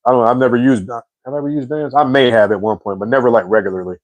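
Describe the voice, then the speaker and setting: A man's voice: mid-range voice, quick pace, no echo. A man in his forties hosting a casual live chat, reading viewer comments and answering in a slangy, easygoing way. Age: 40s. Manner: slangy and relaxed, says bro and man a lot.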